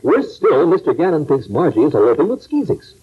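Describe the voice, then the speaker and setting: A man's voice: fairly high pitch, big pitch swings, brisk, husky. A male announcer dramatically narrating a scripted comedy serial in the old-time radio manner. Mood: amused, dramatic. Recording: tinny, narrow old radio broadcast.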